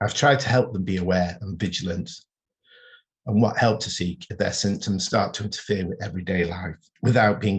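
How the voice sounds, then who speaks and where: A somewhat breathy man with a Mancunian accent, a fairly low pitch and a moderate pace. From northern England, Manchester. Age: 60s. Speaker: patient sharing personal story. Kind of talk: testimony. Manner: careful, scripted delivery.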